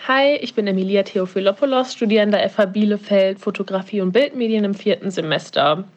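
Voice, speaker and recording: A woman's voice: mid-range voice, a little fast. A woman photography student giving a brief, plain self-introduction on a dull lo-fi recording.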